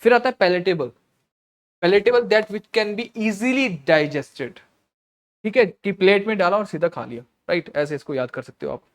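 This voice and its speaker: Hindi-English exam teacher, clears throat often. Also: male voice, high-pitched, lively intonation. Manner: explains slowly, repeats words, frequent "theek hai" and "okay" checks. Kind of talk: vocabulary lesson in Hindi-English mix.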